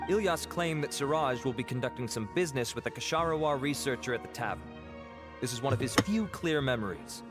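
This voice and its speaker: A man's voice: mid-range voice, animated, a little fast, close to an everyday voice. Man as an earnest, formal young officer, music behind. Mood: businesslike. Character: earnest male investigator officer, dutiful and formal. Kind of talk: anime video game voice acting. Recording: background music under game dialogue.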